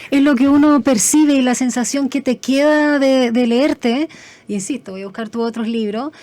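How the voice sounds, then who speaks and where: Her voice has a dark, mellow tone and sits high in pitch for a woman. She talks at a moderate speed. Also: ordinary pitch variation. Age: 40s. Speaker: radio host. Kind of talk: interview.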